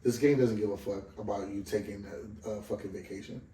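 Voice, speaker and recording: A man in his thirties from Southern California talks in a low, mellow voice, loose and rambling, with casual swearing. He sounds a little far from the mic, in a roomy, echoing space. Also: fairly even intonation, fairly quick. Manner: laid-back, rambling, swears freely, lots of "you know what I mean". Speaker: guest musician. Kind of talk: casual interview chat.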